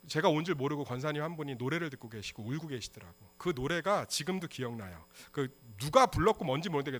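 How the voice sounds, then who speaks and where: A male pastor preaching a sermon with passion, moving between hushed, quiet lines and loud outbursts. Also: on the high side.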